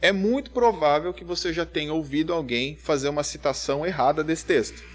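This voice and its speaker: A man, giving a conversational church sermon full of rhetorical questions, rising to loud emphatic peaks and dropping to quiet asides. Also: on the high side, fairly quick, faint music behind. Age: 30s. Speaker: preacher.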